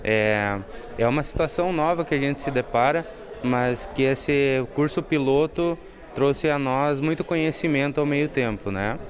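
A man's voice: medium pitch, measured pace. A man in his thirties, a course graduate, talking casually and a bit hesitantly in a news interview. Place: indoor event hall before a sponsor wall. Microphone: handheld reporter mic.

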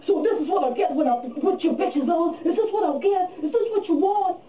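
A woman's voice: very high voice, brisk, warm tone, distant mic, voice pushed up. A woman playing obnoxious, melodramatic characters with exaggerated delivery in comedy sketches. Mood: indignant. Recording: echoey room, off the mic, faint noise.

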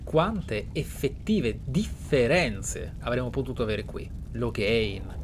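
A man giving dramatic game commentary as a streamer, theatrical and deliberate, with drawn-out phrases. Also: medium pitch, very animated, background noise. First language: Italian. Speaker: gaming streamer. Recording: faint game ambience behind. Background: video game sounds.

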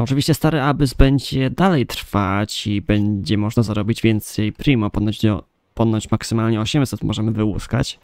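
A man's voice: on the low side, a little mellow, clear, resonant tone, no echo, studio quality. A man with a Polish accent giving casual, informal let's play commentary as a gaming video host. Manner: informal, mild swearing.

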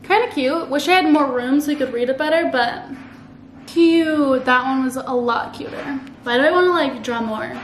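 A bubbly young woman with a high, bright voice chats away to her camera about the presents she's wrapping, dropping "like" into nearly every sentence. The sound is roomy and echoey, with a steady noise bed behind her in a living room. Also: normal speed. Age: young adult. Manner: bubbly, chatty, lots of "like" fillers. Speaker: vlogger. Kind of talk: casual chat to camera. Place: living room at home, indoors. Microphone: camera across a table.

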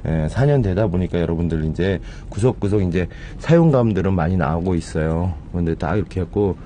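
A man's voice: sits low, expressive, fairly quick, dark tone, slight background noise. A man in his thirties giving a casual walkthrough of a camper, chatting with the owner and the viewers. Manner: chatty, asks many questions, addresses viewers. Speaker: vlog host touring a camper. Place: inside a small wooden camper.

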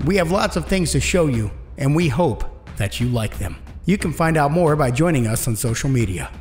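A man hosts a podcast, reading scripted credits and thanks. His voice is fairly high and very animated in intonation, with music playing quietly behind. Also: moderate pace. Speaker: podcast host and audio engineer.

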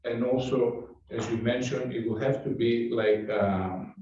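A Greek man, a native Greek speaker, talks as a board member in a casual town board meeting, searching for words and restarting phrases. His mid-range voice has a dark tone, a fairly even intonation and a slightly slow pace. A far room microphone at a large table in the town meeting room picks him up from a distance, so the sound is echoey and dull.

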